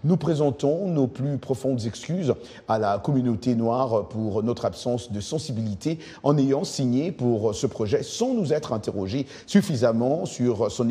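Mellow-voiced male news presenter. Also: medium pitch, in a large hall. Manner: chatty, uses fillers like "hein". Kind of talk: news reading with casual asides. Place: TV news studio.

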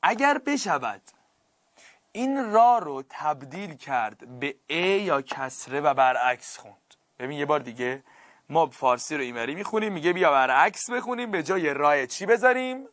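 Lively male teacher explaining grammar. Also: a little high, dry recording. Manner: stretches words slowly for emphasis, asks students checking questions. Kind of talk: classroom grammar lesson.

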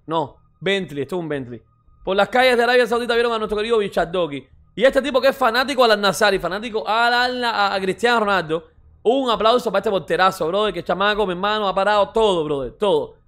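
A man's voice: sits high, fast, a bit bright. A man giving casual mocking football reaction commentary as a streamer, repeating exclamations, swearing and ranting.

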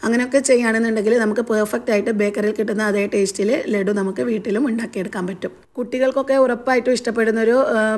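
A woman's voice: mid-range voice, a little mellow. A woman with a Malayali accent, hosting a home cooking channel and narrating a recipe step by step in a chatty way with small fillers.

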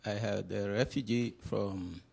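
A middle-aged man from Burundi introducing himself as a panel guest in a classroom, speaking haltingly with many pauses into a handheld mic. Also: fairly low pitch, steady tone, vocal fry, darkish tone, slightly rough. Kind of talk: personal introduction.

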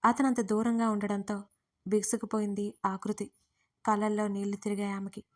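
A woman writer narrating her own romance audio story in a steady, even storytelling manner. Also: mid-range voice, moderate pace.

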